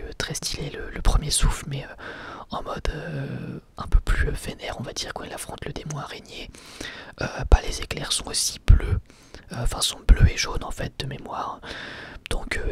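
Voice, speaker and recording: A man's voice: on the high side, gravelly. A man whispering a casual ASMR review of an anime episode, chatty and hesitant, often asking viewers for their opinions. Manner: soft whisper throughout, casual with frequent hesitations.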